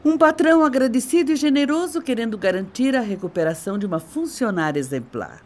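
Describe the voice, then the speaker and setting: An actress plays a scornful middle-aged Brazilian wife in a radio soap opera. Her delivery is haughty and theatrical, swinging widely in pitch as she mocks and belittles her husband. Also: expressive, fast talker, darkish tone, natural voice. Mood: sarcastic.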